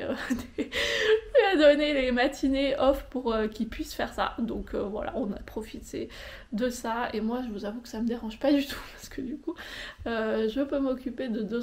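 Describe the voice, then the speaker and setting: A woman's voice: on the high side, darkish tone. A young woman, tired and sniffly with a cold, chatting casually at home for her vlog with lots of hesitant fillers. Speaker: vlogger. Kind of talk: casual vlog chat to camera.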